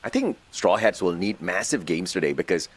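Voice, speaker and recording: A man's voice: low-pitched, expressive, brisk. Male esports caster calling live play. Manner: esports caster delivery, narrating the action with exclamations.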